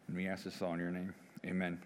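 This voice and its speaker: A man's voice: low voice, monotone, fast. A middle-aged male pastor, slightly losing his voice, preaching and praying in a conversational way with fillers and restarts. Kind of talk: sermon with prayer. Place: church sanctuary. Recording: long reverb of a church hall.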